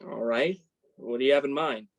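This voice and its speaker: A woman's voice: very deep voice, moderate pace, low-quality recording. A woman playing a supportive, self-deprecating young male journalist and best friend in a staged reading of a play. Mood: wry.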